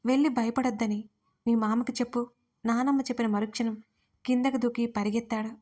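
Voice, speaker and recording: A woman reading a family story aloud as the narrator, in a gentle storytelling manner. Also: a little high, steady tone, fairly quick.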